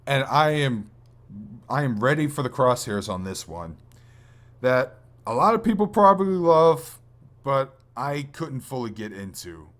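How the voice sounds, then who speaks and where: A man talking casually as a podcast host, in a halting way that circles back over his words. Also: mid-range voice, big pitch swings, a bit bright.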